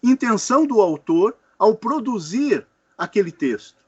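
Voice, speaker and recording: Slow, hesitant high-voiced man. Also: sing-song, a little mellow, slightly rough. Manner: hesitant, many fillers and repeated words. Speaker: co-host in a discussion. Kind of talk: slow reflective philosophical talk. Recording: dull lo-fi recording.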